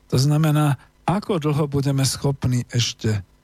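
A somewhat breathy voice at a fairly slow pace, in a dry, close sound with no echo. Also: man. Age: 60s. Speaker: radio host. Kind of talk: radio talk monologue. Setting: studio.

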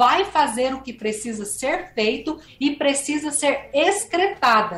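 With lively intonation, a woman talks slowly-ish at a fairly slow pace in a high pitch. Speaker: pharmacist. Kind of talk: radio interview, explaining. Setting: radio studio.

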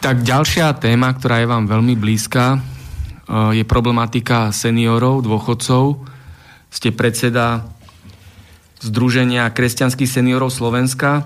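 A man's medium-pitched voice, fairly slow and monotone, with long, frequent pauses and very even loudness. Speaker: radio host. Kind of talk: radio interview. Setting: studio.

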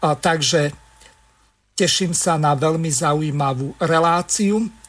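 A man with a plain, everyday voice, fairly high pitch, fairly even intonation and a fairly slow pace. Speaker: radio host. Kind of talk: moderated discussion show.

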